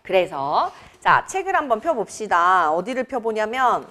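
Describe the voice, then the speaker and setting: A woman's voice: medium pitch, very animated, moderate pace, bright, forceful tone. A young adult woman from Seoul teaching grammar in a classroom, chatty and teasing as she quizzes her students. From Seoul, South Korea. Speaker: academy Korean teacher. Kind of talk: classroom lecture.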